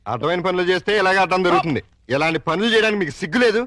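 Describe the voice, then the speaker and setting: A man's voice: sits high, animated, racing. An actor playing a bitter man left by his wife, answering his father-in-law curtly in a film. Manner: curt bitter retorts. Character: bitter deserted husband, cold and curt. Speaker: film character, widowed father. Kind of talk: film drama acting.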